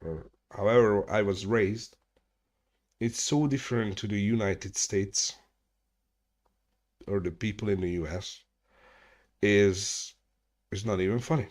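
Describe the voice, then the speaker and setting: A man's voice: lowish voice, fairly even intonation, unhurried, long pauses, a little mellow. A man from Hungary, chatting casually with viewers on a livestream from home, rambling, restarting his sentences and swearing freely. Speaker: streamer hosting a chat hangout.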